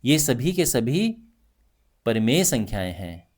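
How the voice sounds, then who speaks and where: A male math teacher giving a lively classroom lesson, talking through each point with frequent check-ins to his students. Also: medium pitch, measured pace, breathy edge. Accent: Hindi.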